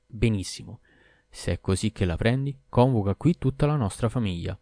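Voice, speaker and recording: A man's voice: on the low side, moderate pace, warm tone, dry recording, close to an everyday voice. A man voicing a weary, exasperated merchant in an audiobook, speaking emphatically. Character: weary merchant who understands animals, adult man. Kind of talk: audiobook character voice.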